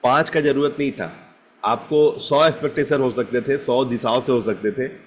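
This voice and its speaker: A man's voice: medium pitch, moderate pace, slight background noise. Man coaching a live group session. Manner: direct, addresses participants by name, repeats "ठीक है ना?". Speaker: self-help coach.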